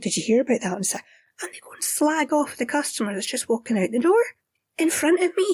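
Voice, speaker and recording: A woman's high voice at a fairly quick pace, with very wide pitch swings and big swings in loudness. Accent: Scottish. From Scottish Highlands. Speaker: podcast host. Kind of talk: podcast rant monologue. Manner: animated, exasperated.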